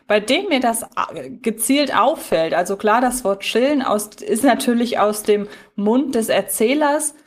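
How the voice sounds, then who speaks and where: A woman's voice: on the high side, animated, measured pace, hardly any pauses. A woman co-hosting a podcast, chatting casually in a reflective, digressive, wordy way. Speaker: podcast co-host. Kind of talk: casual review chat.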